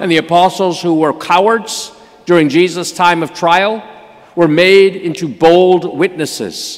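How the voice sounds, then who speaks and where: A man speaks with a high pitch and a warm tone. His pace is moderate. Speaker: bishop. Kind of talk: homily at a confirmation Mass, preaching to youth and sponsors. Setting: church. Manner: warm, lightly humorous, then earnest and exhortative. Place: church. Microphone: podium.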